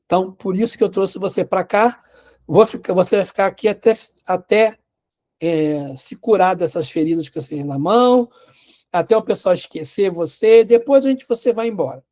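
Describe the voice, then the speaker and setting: A man voicing a calm, protective Roman officer who explains himself in a reassuring, matter-of-fact way while telling a story in a class. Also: sits high, moderate pace, close to an everyday voice.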